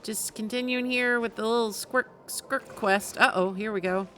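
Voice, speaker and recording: A woman's voice: fairly high pitch, steady tone, moderate pace, pushed and bright, faint music behind. A woman giving casual live commentary as she plays and streams a game.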